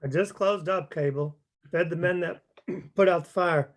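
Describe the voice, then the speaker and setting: A man's voice: high-pitched, moderate pace, lightly acted. A man reading the part of an obliging, curious restaurant keeper in a drama, folksy and hospitable. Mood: friendly, curious. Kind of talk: screenplay table read.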